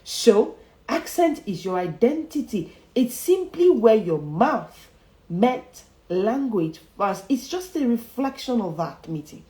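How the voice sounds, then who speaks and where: A woman's voice: fairly high pitch, very animated, takes it slowly, dark tone. Emphatic woman coaching in a roomy echo. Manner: emphatic, repeats key phrases, chuckles often. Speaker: public speaking coach. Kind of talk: motivational livestream teaching.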